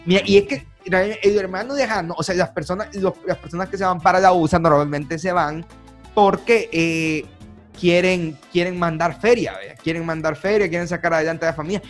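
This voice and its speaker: A man's voice: high-pitched, a little fast, faint music behind. A young man with a Salvadoran Spanish accent, hosting a podcast in casual, slangy, joking chat. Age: young adult. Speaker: podcast host. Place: small room at home, indoors. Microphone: desk microphone with headphones.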